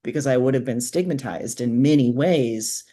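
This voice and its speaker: A woman's voice: rumbling low, moderate pace, warm tone. A woman in her forties talks as a guest author in a candid interview. Her delivery is reflective and frank, like someone thinking aloud in conversation. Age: 40s.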